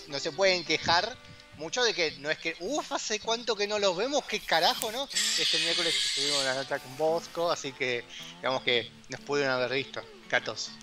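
A man with an Argentine Rioplatense accent co-hosting a podcast in relaxed, chatty talk full of asides. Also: medium pitch. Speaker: podcast co-host. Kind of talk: casual chat.

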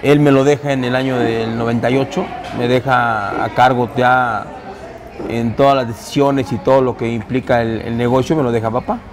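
A man's voice: medium pitch, fairly even intonation, normal speed. A man in his forties with a Mexican accent, telling the story of his taquería in an interview, talking easily with hesitant restarts. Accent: Mexican Spanish. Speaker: taquería owner. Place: busy taquería dining room, indoors. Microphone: camera interview, seated. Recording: music under the voice.

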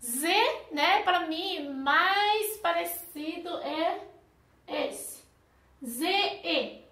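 A woman's voice: very high-pitched, lively intonation, very slow, pushed and bright, roomy sound. A woman, a Mandarin speaker, teaching a language lesson in a patient way and often checking in with her listeners. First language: Mandarin Chinese. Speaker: Chinese teacher.

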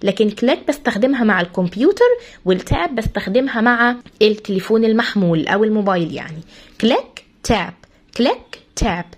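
A woman with an Egyptian Arabic accent, an English teacher who explains words to pupils and repeats each one slowly, spelling out how the sounds are said. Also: medium pitch, lively intonation, breathy edge. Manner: addresses pupils as "kids". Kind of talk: vocabulary lesson for pupils.

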